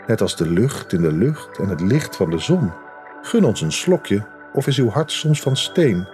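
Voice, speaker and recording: A man's voice: on the low side, big pitch swings, unhurried, a little mellow, faint music behind. A man voicing a desperate, thirsty young mother begging for water in a storybook tale. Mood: pleading. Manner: pleading, begging. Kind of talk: storybook character voice.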